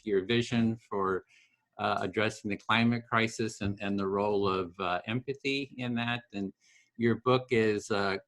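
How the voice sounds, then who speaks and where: A soft-spoken man with a fairly low voice hosts the call. He explains the process gently and keeps pausing with uh and restarting his sentences. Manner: halting, lots of uh and restarts, gentle. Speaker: host and facilitator. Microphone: video call.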